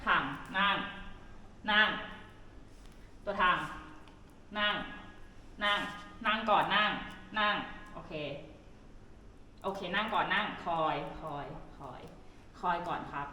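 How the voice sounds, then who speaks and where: A woman's voice: medium pitch, takes it slowly, pauses often, reverberant, in a large hall, recorded from a distance, slight background noise. A woman who owns a dog, chatting casually with a trainer and giving her dog repeated commands. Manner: relaxed, answers questions and gives the dog repeated commands. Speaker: dog owner. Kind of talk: casual chat.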